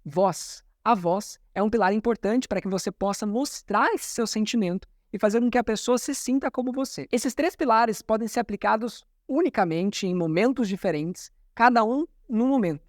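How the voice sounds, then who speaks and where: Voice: medium pitch, moderate pace, few pauses, no echo, studio quality. A communication coach, explaining a talk in didactic commentary and repeating key terms.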